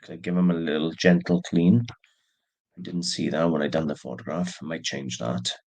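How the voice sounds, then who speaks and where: A man's voice: sits low, flat delivery, a little fast, vocal fry, darkish tone. A man with allergies casually showing and describing the antique silver jewelry he sells, chatty with plain asides. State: stuffy with allergies, yawning. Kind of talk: casual show-and-tell narration.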